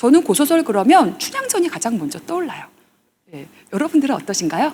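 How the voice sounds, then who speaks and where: The speaker races along at a very fast pace, with big swings in loudness and very wide pitch swings. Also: woman, high pitch for a woman. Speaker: literature professor. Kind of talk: public lecture.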